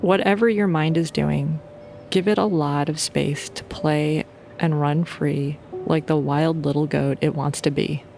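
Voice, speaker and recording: A woman's voice: low-pitched, fairly even intonation, a little slow, gravelly, darkish tone, slight background noise. A woman leading a guided sleep meditation in an informal, playful and soothing way.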